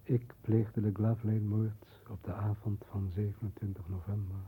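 An actor playing a doomed, down-and-out man reading out his confession, solemn, halting and resigned, in a 1960s radio drama. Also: little pitch movement, close to an everyday voice. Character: doomed, down-and-out brother solemnly confessing in suicide letter. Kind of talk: 1960s radio drama, letter read as voice-over. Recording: muffled, noisy old radio recording with rumble.

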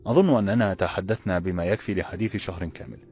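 A calm young woman speaks in formal, measured tones, as a male narrator puts her on in a low voice. She is gentle and composed, the way an audiobook character is. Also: soft background music, lightly acted. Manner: formal, measured classical speech.

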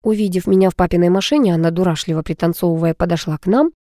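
A woman narrating a first-person story aloud, lively and teasing, with expressive dialogue. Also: lowish voice, rapid-fire, no room sound, clean studio sound. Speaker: audiobook narrator.

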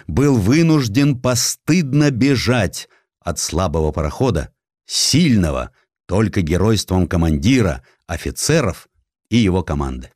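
Guy reading a history audiobook, lowish voice, really animated intonation, measured and dramatic, dry studio sound. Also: no echo. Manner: expressive, measured storytelling with dramatic emphasis. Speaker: audiobook narrator. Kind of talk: scripted literary narration of a historical essay.

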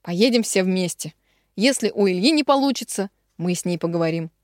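A woman's voice: mid-range voice, lively intonation, a little fast, dry recording, studio quality, natural voice. A woman reading an audiobook, voicing an older man, a father who questions pointedly. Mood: pressing. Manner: pressing, interrogating.

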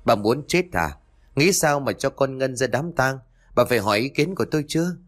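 A man voicing a harsh, domineering husband who barks rude demands in a fast, raised voice. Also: medium pitch, lively intonation, pitched above the performer's own voice, close to an everyday voice. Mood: threatening.

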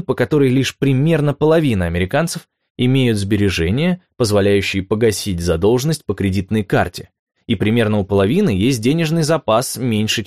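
A man narrating nonfiction in a measured, clear storytelling manner, posing rhetorical questions along the way. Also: lowish voice, a little mellow, no echo, studio quality. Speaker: audiobook narrator.

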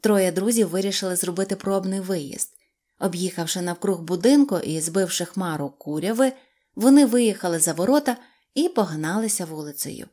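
Reading a children's audiobook aloud, this woman tells the story expressively in a fairly low-pitched voice at a normal speed.

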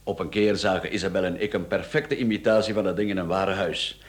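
A man plays a cheeky Flemish rogue in a radio drama, his voice on the low side. He is smooth-talking and glib, teasing his questioner with flippant ease. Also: fairly even intonation, a little fast, lightly acted. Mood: amused, confiding. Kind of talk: radio play dialogue.

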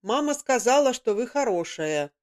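A woman voicing a young foreign girl who speaks halting, broken words in an audiobook. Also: on the high side, very animated. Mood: earnest.

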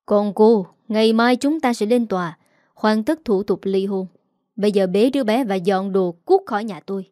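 A woman's voice: medium pitch, moderate pace, mellow, dry recording, studio quality, lightly acted. A woman voicing a young husband who is cold and reproachful, in an audio story.

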